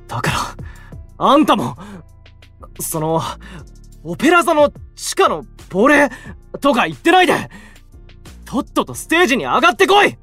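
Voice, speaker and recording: An actor playing a blunt, hot-headed young male idol singer in a Japanese voice drama, brash and outspoken with a husky voice. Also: very high voice, huge pitch swings, moderate pace, pushed and bright, soft background music, heavily acted. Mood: fired up.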